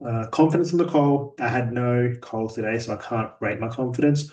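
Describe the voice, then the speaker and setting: A man giving a daily sales progress report in a flat, somewhat robotic, monotone delivery. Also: medium pitch, moderate pace, dull audio. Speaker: sales rep vlogger. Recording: voice a bit distant from mic.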